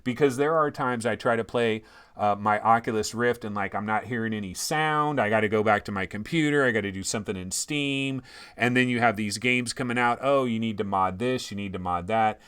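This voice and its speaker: A man hosting a livestream, chatting casually in excitable bursts and swearing freely. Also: on the low side, fairly quick, clear, resonant tone. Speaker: livestream host. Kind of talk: casual chat.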